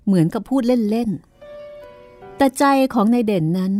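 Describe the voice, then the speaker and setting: A woman narrating a story in a slow, measured storytelling manner. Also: medium pitch, warm tone, soft background music.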